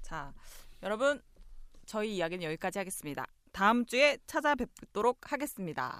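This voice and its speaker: A woman's fairly high voice at a moderate pace, with very wide pitch swings and long, frequent pauses, on a very clean recording with a silent background. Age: 30s.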